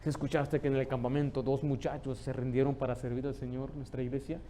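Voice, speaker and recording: A man, preaching a lively sermon in a church and telling stories with humor. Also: mid-range voice, brisk, a little hiss or hum. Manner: lively storytelling, joking with the congregation. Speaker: pastor.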